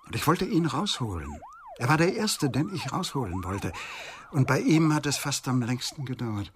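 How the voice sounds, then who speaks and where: A man in a German radio drama playing a weary middle-aged Jewish lawyer who recalls his past in a halting, reflective way. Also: mid-range voice, sing-song, a little hiss or hum, natural voice. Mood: wistful, reflective.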